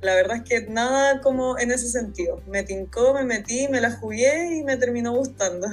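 A young Chilean woman tells her own story in a casual interview. Her voice is somewhat high and her speech is informal and conversational. There is light music in the recording. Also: moderate pace. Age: 20s. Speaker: podcast guest, speech therapist.

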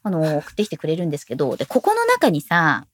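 A woman's voice: low voice, huge pitch swings, quick pace, breathy edge, no room sound. A woman co-hosting a casual live-streamed podcast, chatting upbeat and reading out viewer comments. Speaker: podcast co-host. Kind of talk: casual chat. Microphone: studio mic, live-streamed recording.

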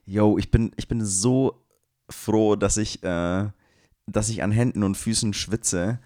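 A man's voice: on the low side, steady tone, takes it slowly, mellow, no room sound, clean studio sound. A man from Germany co-hosting a casual podcast, talking in a slangy, laid-back way and laughing often. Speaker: podcast co-host. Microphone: remote recording setup.

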